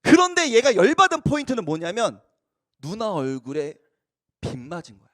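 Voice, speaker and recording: A man's voice: high voice, moderate pace, no room sound, studio quality. A man preaching a casual youth sermon, telling stories and acting out the quoted lines. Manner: animated storytelling, acts out quoted lines. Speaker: youth pastor.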